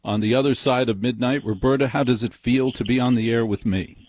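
A man's voice: medium pitch, steady tone, a little fast, darkish tone, no echo. An American man hosting a live call-in radio show, chatting casually and explaining things courteously. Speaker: radio talk show host. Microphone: close studio broadcast mic.

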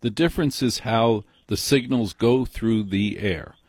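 An American radio talk show host, male, chats casually and explains things courteously on a live call-in show. His fairly low, darkish voice moves at a measured pace, captured dry on a close studio broadcast mic.

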